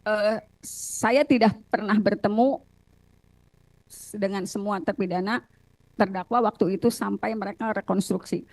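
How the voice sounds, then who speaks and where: An Indonesian woman giving courtroom testimony as a witness and lawyer, recounting details haltingly with repeated phrases. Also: medium pitch, steady tone, a little mellow, no echo, poor audio. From Cirebon, Indonesia.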